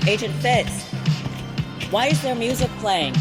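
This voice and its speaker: An actress playing a stern senior female field agent in an audio drama, curt, deadpan and commanding. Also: a little high, a little slow, over loud music. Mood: stern, brisk.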